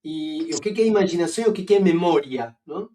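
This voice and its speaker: A man with an Argentine Spanish accent, speaking as a philosopher guest in a relaxed academic conversation. His voice sits fairly high, and he pauses on "eh" and restarts as he works through his ideas. He sounds a little distant from the microphone. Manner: hesitant, many fillers and restarts, professorial.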